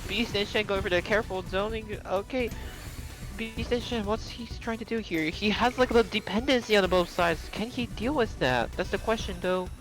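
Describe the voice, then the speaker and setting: Male color commentator, high pitch, excitable and casual, music bed audible. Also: moderate pace, poor audio. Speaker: esports co-commentator. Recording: music playing clearly behind.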